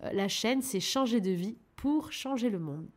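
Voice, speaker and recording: A woman hosting her own channel, talking gently and encouragingly to her listeners as a life coach, in a casual coaching monologue. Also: fairly high pitch, animated, normal speed.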